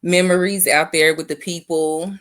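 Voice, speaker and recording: A woman's voice: fairly low pitch, steady tone, moderate pace. A young adult woman, a veteran and business owner, giving thoughtful interview answers and often repeating her phrases.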